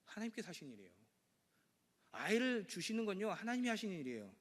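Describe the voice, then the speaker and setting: A male pastor preaching a sermon, acting out the dialogue of his scripture passage with sudden loud bursts. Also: high voice, fast. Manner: lively preaching, acts out God and Abraham with sudden loud bursts. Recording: church hall with long reverb.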